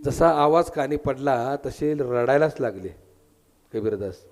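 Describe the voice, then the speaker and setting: A man's voice: medium pitch, lively intonation, unhurried, music in the background. A man with a Marathi accent preaching a devotional kirtan sermon, telling a story, voicing its characters and breaking into sung verses. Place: temple hall with audience.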